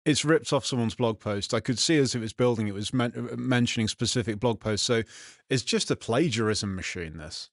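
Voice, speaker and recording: Speaking at a moderate pace in a mid-range voice, this Black Country man from the West Midlands of England grumbles in irritation and sardonic humor as a vlog host. He is a software developer with a slightly nasal voice and a casual manner. The audio is dry and studio quality.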